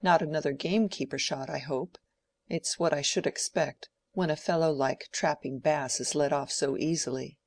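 Young baronet, stern and brisk, audiobook, reader doubling. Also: medium pitch, fairly even intonation, dry recording, close to an everyday voice. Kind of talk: audiobook character voice.

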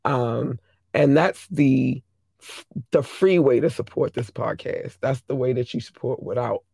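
A hoarse podcast host chatting casually, affectionately shouting out listeners country by country. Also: medium pitch, measured pace, no echo.

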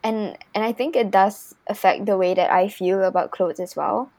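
A woman's voice: mid-range voice, moderate pace, a little mellow, no room sound. A young woman, hosting a student podcast in an informal, conversational way. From Singapore. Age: young adult. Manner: informal, peppers speech with "like". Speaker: podcast host.

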